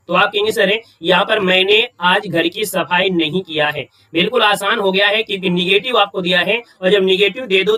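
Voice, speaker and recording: A man hosts a live-streamed quiz class, his voice sitting high and sounding bright and forward. He moves through the answers briskly and keeps asking his students whether they follow. He greets viewers in the chat as he goes. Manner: brisk, keeps checking in with "right?". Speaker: online Hindi grammar teacher.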